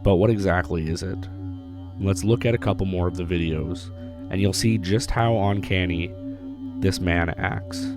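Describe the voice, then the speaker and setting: A man with a hoarse voice, recovering from illness, narrating a casual, blunt video commentary. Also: low-pitched, moderate pace. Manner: casual, blunt, mildly profane. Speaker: YouTube commentator. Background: background music.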